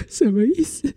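A man tells a story in casual podcast chat. His mellow voice rises and falls a lot and breaks into laughter often. It rings with a long, echoey reverb. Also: very high-pitched. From Taiwan. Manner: animated, laughs often, acts out quoted arguments. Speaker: podcast host.

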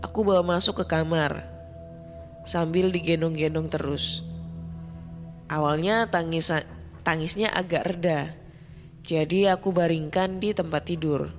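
A woman with a fairly low voice tells a first-person horror story in a tense, hushed manner. Music plays clearly underneath her narration.

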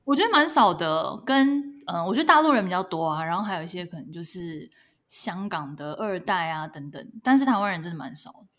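Fast-talking chatty woman from Taiwan. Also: on the low side. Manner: animated, laughs often. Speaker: podcast co-host. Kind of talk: casual chat. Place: lives in Canada.

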